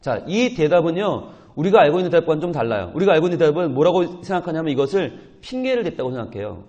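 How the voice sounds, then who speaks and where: A male pastor delivers an early-morning sermon in a slightly higher-than-average voice. He keeps putting questions to his listeners, then answers them himself, and he voices the characters' lines. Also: very animated, fast talker, darkish tone, muffled recording. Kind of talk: dawn prayer sermon. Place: church.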